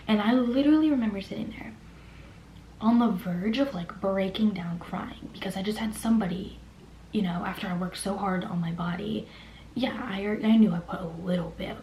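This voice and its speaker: A woman's voice: mid-range voice, a little mellow. A young woman whispering a personal story in a chatty way, full of "like" fillers. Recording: echoey room with faint hiss.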